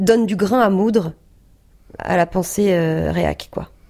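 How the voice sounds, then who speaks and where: The tone here is dark and mellow. The pitch varies in an ordinary way. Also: woman. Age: 30s. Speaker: woman conceived by donor insemination. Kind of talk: personal testimony.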